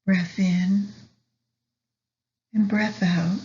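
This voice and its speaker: A woman's soft, soothing voice, medium in pitch with fairly even intonation, guides a meditation at a very slow pace. She leaves long gaps between phrases, and the recording comes across a little dull and lo-fi.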